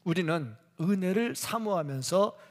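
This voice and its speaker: A man's voice: high-pitched, lively intonation, a little slow. A man preaching a sermon as pastor, emphatic, firing rhetorical questions and dropping to a whisper when he quotes people. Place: church sanctuary. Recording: church hall reverb.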